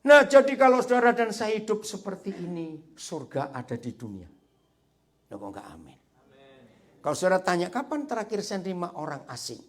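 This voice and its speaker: A man preaching a sermon as pastor, telling a story with lively asides to the congregation. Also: high voice, normal speed. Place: church sanctuary.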